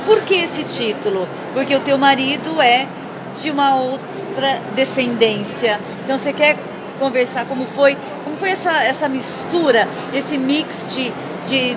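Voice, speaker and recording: A woman interviewing an author at a book fair, warm and encouraging. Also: sits high, noisy background.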